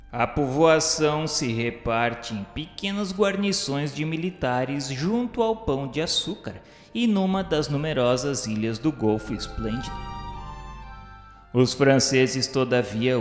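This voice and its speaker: Brazilian male narrator for a solemn radio drama, mid-pitched and unhurried, formal delivery in a reverberant space. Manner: formal, declamatory, measured. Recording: echoey long reverb with background music. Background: instrumental music.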